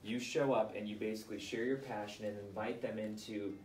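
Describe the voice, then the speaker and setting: A man coaching aspiring authors in front of a live audience, firing off quick advice and rhetorical questions. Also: on the low side, a little hiss or hum. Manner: energetic, rapid-fire advice with rhetorical questions. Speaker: book coach. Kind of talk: live group coaching session. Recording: roomy, distant mic, faint ambience.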